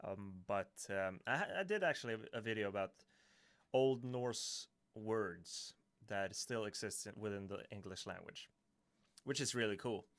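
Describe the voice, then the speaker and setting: A Swedish man, speaking English as his second language, hosts a relaxed live Q&A and reads viewer comments aloud. His voice sits fairly low, and his delivery is hesitant, full of restarts and small laughs. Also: measured pace. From Sweden. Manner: hesitant, many restarts and fillers, chuckling often. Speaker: YouTuber hosting a live Q&A. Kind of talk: casual live-stream chat, reading viewer comments.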